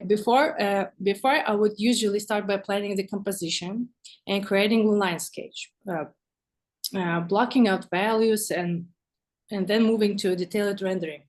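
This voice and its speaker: A woman's voice: medium pitch, fairly even intonation, moderate pace, darkish tone. Woman speaking English as a second language. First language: not English. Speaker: guest visual artist. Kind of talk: casual interview conversation.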